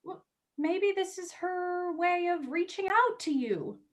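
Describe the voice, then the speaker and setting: A woman playing an eager, teasing young magazine editor in a staged play reading, talking in animated, halting bursts as she persuades. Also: very high-pitched, full character voice. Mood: coaxing. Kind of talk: virtual staged play reading, naturalistic dialogue.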